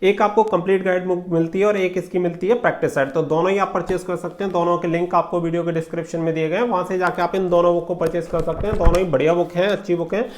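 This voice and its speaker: A man's voice: high-pitched, steady tone, fast talker, few pauses. A man giving informal exam guidance as a channel host, explaining and repeating points with English terms mixed in. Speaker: exam preparation coach and YouTube channel host.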